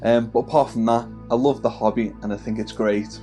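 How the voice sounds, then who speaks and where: Soft background music plays as a man with a warm, steady, medium-pitched voice talks fairly quickly. He's a Wirral, England native in his 30s with a Scouse twang, hosting a hobby channel and chatting to camera in a friendly, casual way full of fillers and restarts.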